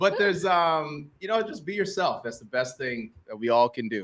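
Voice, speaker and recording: This man's voice sits at a fairly high pitch, with a bright, sharp tone. He sounds animated, and his pitch swings very widely. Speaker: podcast host and fundraising team leader. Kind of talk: casual chat. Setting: studio. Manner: loud.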